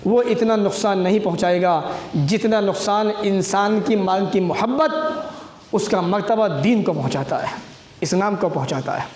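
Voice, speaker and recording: A man's voice: high voice, normal speed, a little mellow. A man preaching a religious sermon, asking rhetorical questions, quoting hadith in Arabic and calling his listeners brothers. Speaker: Islamic preacher. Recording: echoey room, faint background noise.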